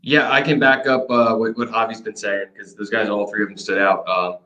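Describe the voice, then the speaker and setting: A man talks football prospects at a brisk clip, his voice sitting a little low. He runs through players with energy in a casual, conversational podcast style. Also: rough recording. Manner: quick, energetic breakdown of players. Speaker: podcast co-host. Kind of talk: casual sports analysis. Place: hotel room.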